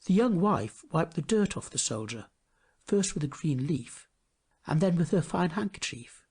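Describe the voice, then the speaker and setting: A man reading a storybook tale aloud in an expressive, dramatic storytelling manner. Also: fairly high pitch, normal speed, slightly rough. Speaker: storybook reader. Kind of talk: scripted storybook narration.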